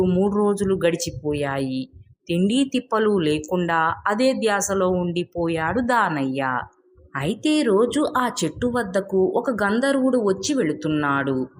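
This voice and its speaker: A woman storyteller reading a scripted moral tale as narration. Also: medium pitch.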